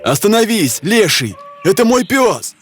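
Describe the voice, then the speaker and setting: Young hero hunter: mid pitch, lively and earnest, faint music under. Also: male voice, a little slow. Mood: bold. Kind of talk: cartoon voice acting.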